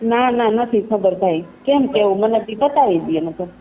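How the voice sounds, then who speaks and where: A woman's voice: medium pitch, expressive, moderate pace. A woman with a Kathiawadi Gujarati accent giving an informal personal account on a phone call, in colloquial rustic phrasing. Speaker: caller telling their own story. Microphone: telephone line. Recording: tinny narrowband phone call recording.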